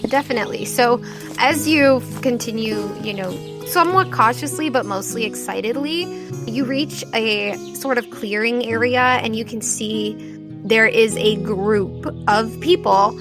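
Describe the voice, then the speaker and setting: A woman game master improvising narration for a tabletop roleplaying game in a conversational, descriptive way, pausing often as she sets the scene. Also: on the high side. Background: music.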